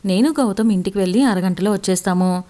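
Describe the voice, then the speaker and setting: A woman narrator voicing a brisk, decisive young woman about to marry. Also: mid-range voice, dark tone, lightly acted.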